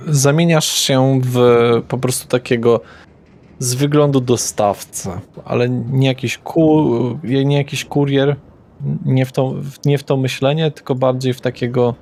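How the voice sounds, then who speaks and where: A man narrating a tabletop game as its game master, his voice sitting in an ordinary middle pitch. He describes places loosely, pausing on fillers and correcting himself as he goes. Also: fairly even intonation, a little mellow.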